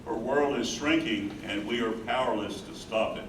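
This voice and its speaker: A man's voice: mid-range voice, moderate pace, fairly bright tone, close to an everyday voice. A man playing a tender, mournful aging husband and caretaker in a staged reading. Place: live staged reading in an echoey room. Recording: roomy, distant, noisy stage recording.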